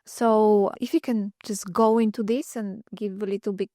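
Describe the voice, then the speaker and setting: A woman's voice: medium pitch, fairly even intonation, moderate pace, dry recording, clean studio sound. A woman hosting a podcast interview over a video call, asking open questions and often murmuring agreement. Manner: warm encouraging questions, frequent short agreements. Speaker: podcast host.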